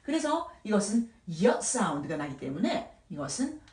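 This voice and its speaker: A woman teaching English grammar in a patient way, sounding out words slowly and repeating them. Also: mid-range voice, big pitch swings, darkish tone, roomy sound, recorded from a distance. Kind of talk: explaining grammar at a whiteboard.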